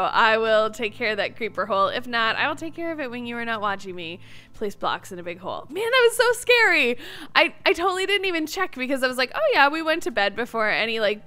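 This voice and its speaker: A woman's voice: a little high, sharp tone, clear, resonant tone. A woman hosting a gameplay video, chatting casually and expressively as she talks herself through what she is doing. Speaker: host of a gameplay video series. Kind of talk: casual video game commentary.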